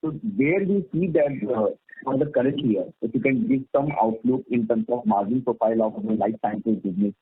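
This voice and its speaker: A man's voice: mid-range voice, sing-song, normal speed, creaky, slightly rough, no room sound. A man with an Indian accent politely questioning company management as an analyst on a conference call. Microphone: phone conference line. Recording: narrowband, tinny phone line.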